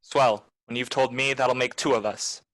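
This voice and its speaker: Radio play private eye, male actor: cynical wisecracker, nonchalant tough talk, mid-pitched, dry sound. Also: steady tone, normal speed, a bit bright, no room sound, lightly acted, poor audio. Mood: wry, guarded. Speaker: actor, lead and narrator. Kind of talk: film noir radio play acting.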